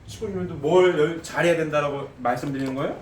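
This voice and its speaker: A middle-aged man with a slightly high voice preaches fast and emphatically, firing questions at his congregation and often finishing with "eh?". There's slight background noise, and the hall is echoey with faint ambience.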